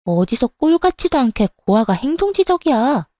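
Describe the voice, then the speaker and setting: A woman's voice: expressive, moderate pace, mellow, no room sound, studio quality, lightly acted. A woman voicing a rude, spiteful young sister-in-law who curses and sneers in a dramatized story reading. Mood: furious. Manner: shrill, cursing, contemptuous.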